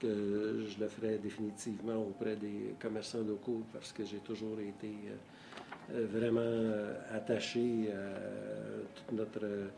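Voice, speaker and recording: A middle-aged man with a Quebec French accent, answering a street-interview question formally and haltingly, with many fillers, in an office. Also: on the low side, flat delivery, gravelly, background noise. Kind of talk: formal vox pop answer. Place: indoor office by a window.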